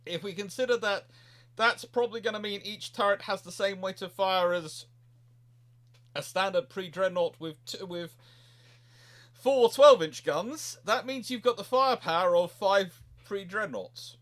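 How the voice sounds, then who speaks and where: A man's voice: sits high, a little slow, fairly bright tone. A man hosting a history question-and-answer chat, explaining in a rambling way and often correcting himself mid-sentence. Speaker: livestream host.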